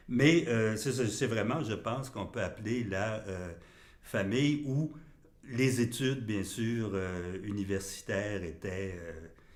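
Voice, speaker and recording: Audible room echo surrounds a man speaking at a very slow pace with ordinary pitch variation. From Quebec, Montreal. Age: 60s. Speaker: anthropologist. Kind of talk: interview. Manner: halting, many hesitations.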